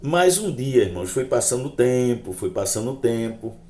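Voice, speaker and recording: A man preaches his own testimony, acting out each conversation in a raised voice. His pitch leaps and falls a lot, and the echo of the room rings around his words. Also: moderate pace. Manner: animated storytelling, acting out dialogue with raised voice. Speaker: chaplain giving testimony. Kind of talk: sermon-style testimony.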